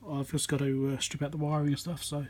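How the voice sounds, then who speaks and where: A man giving casual hands-on commentary as he works, halting and half talking to himself while he concentrates, recorded on a phone at an indoor workbench. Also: on the high side, level tone, a little mellow. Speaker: electronics repairer, channel host. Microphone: phone on a tripod above the work. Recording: noisy room recording on a phone.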